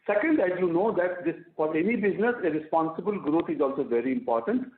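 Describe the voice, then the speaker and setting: A man's voice: on the high side, lively intonation, fast. A man with an Indian accent speaking as a company executive, explaining business matters emphatically on an investor call. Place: conference phone call. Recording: tinny phone line with room echo.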